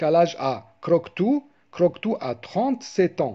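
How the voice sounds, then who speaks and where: A man speaks in a high voice with a dark, mellow tone. His pitch swings very widely against a quiet background. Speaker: French teacher. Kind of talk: tutorial.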